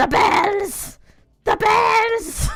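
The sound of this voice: This put-on character voice is raspy and extremely high in pitch.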